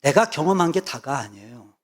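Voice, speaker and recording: A man's voice: a little high, big pitch swings, a little fast. A male pastor preaching a sermon, emphatic, repeating key words and asking rhetorical questions.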